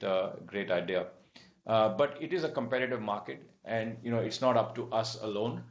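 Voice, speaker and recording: A man answering as a company executive on an earnings call, in a measured, halting, explanatory manner. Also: mid-range voice. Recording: dull, echoey conference-call audio.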